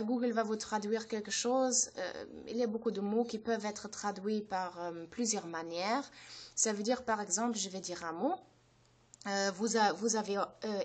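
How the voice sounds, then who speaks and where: Hesitant German-native woman speaking French. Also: mid-range voice. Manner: hesitant, many fillers and restarts. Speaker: language-learning channel host. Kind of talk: unscripted explanation to camera.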